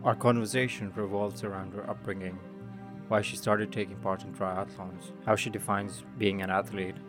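A male podcast host calmly reading a scripted introduction to his show. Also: fairly low pitch, normal speed. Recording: voice over background music.

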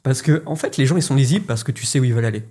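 A man co-hosting a podcast, thinking aloud in a rapid, searching way. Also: mid-range voice, expressive, mellow. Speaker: podcast co-host. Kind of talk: casual podcast chat.

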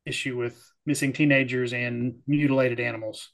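A man from the Texas-Oklahoma area, talking casually as a player over a video call. He halts and repeats words as he pieces the story together, in an ordinary middle-pitched voice. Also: level tone, fairly bright tone. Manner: hesitant, halting, with repeated words. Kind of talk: casual chat recapping a tabletop game.

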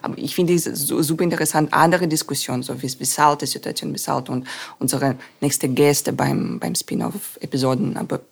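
A woman whose first language is Russian, a journalist and co-host, talking haltingly in casual podcast conversation with many restarts. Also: low-pitched, fairly even intonation, creaky, slightly rough.

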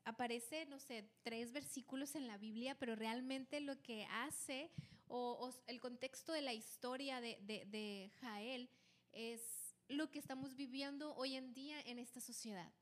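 Lively woman, higher voice. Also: unhurried. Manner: lively storytelling with frequent restarts. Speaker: podcast co-host. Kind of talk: casual Bible study chat.

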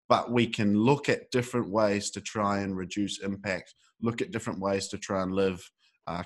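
A man with a fairly low voice speaks as an interviewer in relaxed conversation. He is tentative and reflective, hedging often and letting his sentences wander as he feels his way through a thought.

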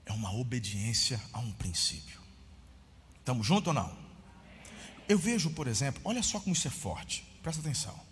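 A Brazilian man preaching a sermon as pastor, telling a story with lively swings and shouting at the peaks, often calling listeners brother. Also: medium pitch, brisk, long pauses, long reverb tail, slight background noise.

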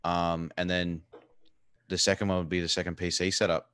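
Deep-voiced, blunt Australian man. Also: level tone, normal speed, a bit bright, clean tone, no echo. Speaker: live streamer, interview guest. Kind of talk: casual chat. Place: living room.

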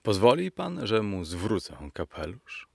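Audiobook figure: a man doing a fearless uncle, low gravelly voice, cool and commanding, dry close sound. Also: big pitch swings, unhurried, darkish tone, no echo, full character voice. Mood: mock-polite. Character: bold unflappable middle-aged man, the uncle.

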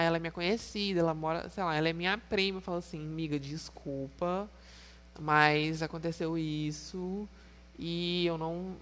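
A young man vlogging in casual, frank storytelling to his viewers, playful and quick to laugh. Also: high-pitched, a bit bright.

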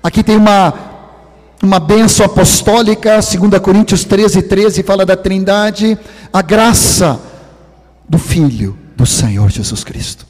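A man in his sixties from Sweden, speaking as a preacher with a Swedish accent, stretching key words slowly and sinking into hushed near-whispers for emphasis. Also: high-pitched, animated, long reverb tail. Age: 60s. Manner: slow, drawn-out stress on key words. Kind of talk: sermon.

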